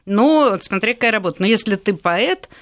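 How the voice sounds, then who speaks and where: A woman in her sixties from Latvia, a politician, who speaks with frequent pauses, fillers and restarts in a conversational interview. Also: mid-range voice, expressive, no echo, studio quality. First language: Russian. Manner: hesitant, many fillers and restarts.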